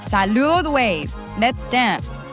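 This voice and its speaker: A woman's voice: fairly high pitch, sing-song, very slow, a bit bright, faint music behind, heavily acted. A woman playing a brash, sassy Latina vampire friend, bossy and slangy, in a comic audio drama. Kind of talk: comic audio fiction acting.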